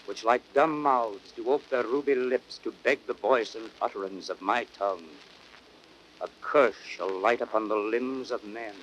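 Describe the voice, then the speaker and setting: A man's voice: medium pitch, fairly bright tone, lightly acted. An actor playing a Roman nobleman, a grieving and vengeful orator, in declamatory verse in a 1930s radio Shakespeare style. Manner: declamatory, theatrical, measured verse delivery. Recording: noisy old 1930s radio broadcast recording.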